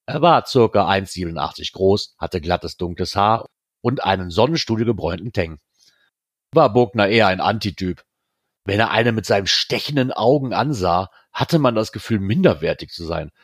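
Low-voiced man reading a novel. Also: lively intonation, normal speed, no room sound, studio quality. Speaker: reader.

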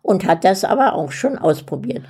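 A woman in her eighties from East Germany, hoarse, chatting and telling stories about her life in a casual interview. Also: mid-range voice, moderate pace. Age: 80s. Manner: chatty, laughing, lively storytelling. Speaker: interviewee, host's mother. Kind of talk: casual chat.

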